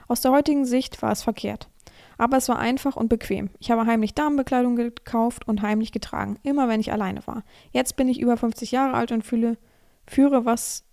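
A woman with a hoarse, mellow, warm voice that sits a little high. She talks frankly to her listeners, giving blunt advice and pausing between thoughts as she reads a letter aloud. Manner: frank, advising listeners directly. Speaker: podcast host. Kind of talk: casual podcast monologue, reading a listener's letter aloud.

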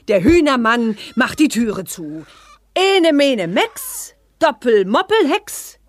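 Young witch girl, children's audio drama: high, emphatic sing-song, unhurried delivery. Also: no room sound, heavily acted. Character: excitable young witch girl casting rhyming spells. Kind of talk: children's radio play acting.

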